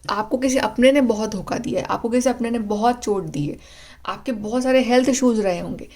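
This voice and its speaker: A woman's voice: fairly high pitch, brisk, darkish tone. A woman giving a spiritual tarot reading, talking earnestly in a coaching manner and mixing Hindi with English. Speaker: tarot reader.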